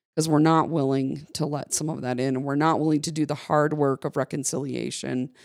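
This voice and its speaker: Very deep and low in pitch, a woman with an American accent speaks at a moderate pace with vocal fry and fairly even intonation, on a very clean recording with a silent background. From Michigan. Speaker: podcast co-host. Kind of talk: casual discussion.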